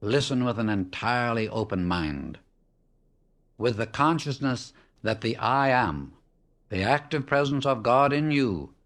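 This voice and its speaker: A man narrating a scripted spiritual discourse as an audiobook, solemn and measured, setting out short phrases with emphasis. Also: mid-range voice, expressive, a bit bright. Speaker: audiobook reader.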